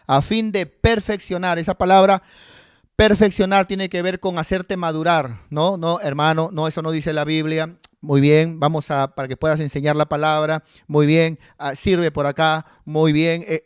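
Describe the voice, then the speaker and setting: A man's voice: fairly high pitch, clean tone, dry recording, studio quality. A male pastor preaching a sermon, building his points with rhetorical questions and acted quotes.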